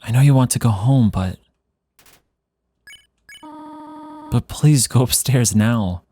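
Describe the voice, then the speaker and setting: A man voicing a gentle, sorrowful motherly monster from a video game, speaking slowly, tenderly and solemnly. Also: mid-range voice, slight background noise, close to an everyday voice. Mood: pleading. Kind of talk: voiced read-along of game dialogue.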